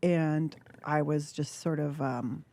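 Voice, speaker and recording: A guest author from California in her forties gives a candid radio interview, talking through her thoughts slowly, reflectively and haltingly, with plenty of filler words. Her low, mellow voice is steady with vocal fry. The studio microphone sounds close and dry, with no room sound.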